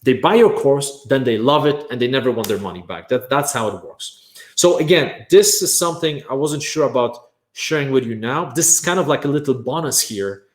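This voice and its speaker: In a roomy-sounding recording, a Polish-born man whose native tongue is Polish gives an animated web workshop on making courses. His pitch is medium and his pace moderate, and he stresses ideas with "right?" and repeated cries of "bam."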